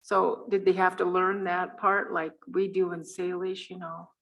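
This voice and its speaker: A woman on a tribal council giving friendly, unhurried welcoming remarks at a meeting, trailing off softly at the ends of sentences. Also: on the low side, little pitch movement, vocal fry.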